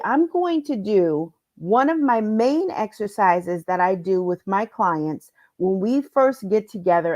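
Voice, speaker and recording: A woman's voice: medium pitch, a little mellow. Upbeat woman coach with allergy-thick voice. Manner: upbeat, addresses viewers directly. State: congested from allergies. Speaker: life coach. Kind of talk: live-streamed coaching lesson.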